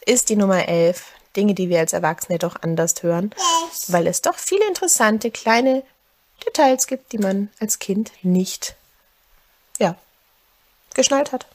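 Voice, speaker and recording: Medium-pitched woman in her early thirties. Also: measured pace, long pauses, darkish tone. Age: early 30s. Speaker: podcast listener, fan. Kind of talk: spoken fan voice message.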